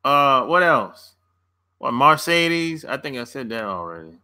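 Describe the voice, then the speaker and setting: A man's voice: medium pitch, very animated, a little slow, bright, forceful tone, clean tone. A man hosting a casual livestream, answering viewer comments in a laid-back, slangy way and laughing often between remarks. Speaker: dating coach and channel host.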